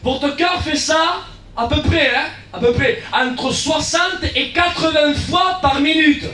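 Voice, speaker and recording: A guest pastor giving a lively sermon, acting out little dialogues, shouting key lines and dropping into low asides. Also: male voice, slow pace. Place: church hall. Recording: echoey church from far off.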